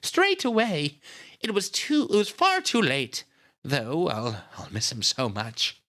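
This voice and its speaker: A man's voice: a little high, big pitch swings, slow, fairly bright tone, voice pushed up, full character voice. A man voicing a grieving, earnest young woman from a storybook, emotional and pleading. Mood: tearful.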